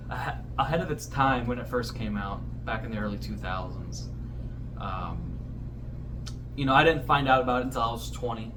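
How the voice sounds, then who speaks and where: A young man in his twenties speaks at a middling pitch in a loose, rambling podcast style. He sounds informal and somewhat hesitant, feeling his way through his thoughts. The recording is distant from the mic, with clearly audible room noise behind him. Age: 20s. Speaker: podcast host. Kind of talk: casual solo podcast chat about favourite shows.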